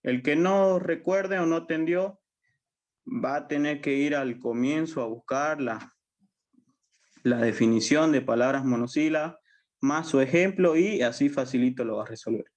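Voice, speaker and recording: A man's voice: a little high, moderate pace, darkish tone. Patient Bolivian man teaching a class. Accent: Bolivian Spanish. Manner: patient, repetitive, checks understanding often. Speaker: university language teacher. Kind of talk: online class lecture.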